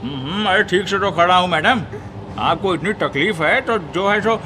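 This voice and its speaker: An actor playing a brazen young troublemaker in a Hindi radio play, with a rustic North Indian accent and folksy insolence. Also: male voice, high voice, normal speed, background noise, natural voice. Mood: insolent, teasing.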